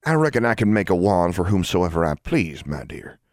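A man's voice: deep voice, big pitch swings, moderate pace, dry recording, studio quality. A man voicing an old, imperturbable Ozark granny witch with firm, folksy dialect speech in a storybook reading. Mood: calm authority.

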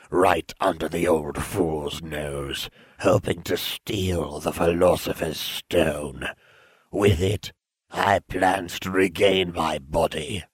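A man voicing a disembodied, pompous and deadpan villainous dark lord in a storybook narration. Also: low-pitched, husky, no room sound, heavily acted. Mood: grave, aggrieved. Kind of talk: fan fiction audio storytelling.

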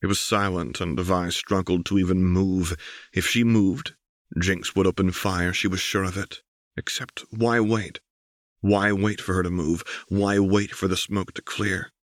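A man's voice: deep voice, flat delivery, measured pace, dry recording, studio quality. A man reading an audiobook as scripted, dramatic story narration. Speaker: audiobook reader.

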